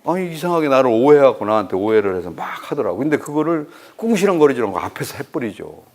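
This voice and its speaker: Animated male professor. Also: medium pitch, quick pace. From Chungcheong, South Korea. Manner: animated storyteller who acts out dialogue and teases the audience. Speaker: university professor lecturing. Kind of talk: humorous lecture with anecdotes.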